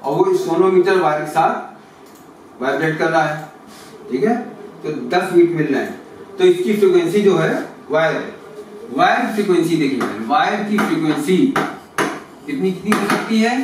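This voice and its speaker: Here a physics teacher works through exam questions, addressing the students as kids and answering his own questions. His voice is on the high side and expressive, a bit slow, with long pauses. Sound is captured far off in an echoey, noisy room.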